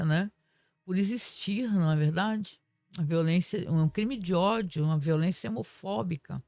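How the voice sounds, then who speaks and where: A man, reviewing a TV series episode in casual talk, animated and indignant, retelling scenes with quoted dialogue. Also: a little high, no echo.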